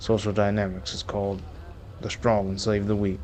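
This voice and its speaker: Quietly mumbling in a put-on character voice, a man with a fairly low pitch speaks at a moderate pace against clear background noise. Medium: game stream. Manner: mumbling, quiet.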